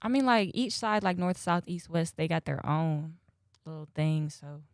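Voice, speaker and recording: A young woman answers as a guest, her voice a touch low for a woman. She keeps her replies short and a little shy. The sound is dry and close. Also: steady tone, normal speed, no echo. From Ohio, US. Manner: brief, shy answers with soft laughs.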